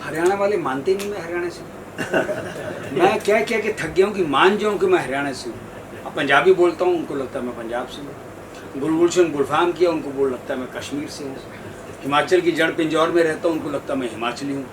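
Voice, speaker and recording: A man's voice: a little high, brisk. A man from Haryana, an actor, telling an unscripted anecdote with emphatic, repeated parallel phrases. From Haryana, India. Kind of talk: unscripted anecdote at a press event. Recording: distant mic, noisy room.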